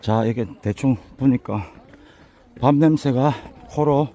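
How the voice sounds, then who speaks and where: An older man with a Busan accent, hoarse and a bit winded, chatting folksily as he walks a mountain path for his vlog. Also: medium pitch, slow pace, warm tone. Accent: Busan Gyeongsang dialect. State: out of breath from climbing. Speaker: vlogger touring local alleys. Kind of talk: casual walking vlog.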